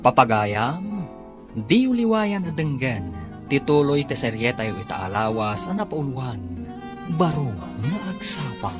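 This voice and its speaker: Guy announcer for a radio soap, very lively delivery, music playing behind him. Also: medium pitch, unhurried. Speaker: radio drama announcer and narrator. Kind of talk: scripted radio serial narration.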